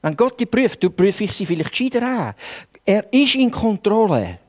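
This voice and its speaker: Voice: mid-range voice, big pitch swings, normal speed. A preacher with a Swiss German accent, delivering a sermon with earnest rhetorical questions addressed straight to the listeners.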